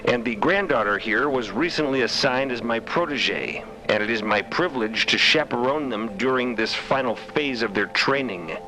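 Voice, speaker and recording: A man voicing a serene, dignified matriarch of a scholarly order in an audio drama, speaking formally, with measured reassurance. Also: medium pitch, over music, lightly acted, poor audio. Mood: stately pride. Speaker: actor in a fiction podcast.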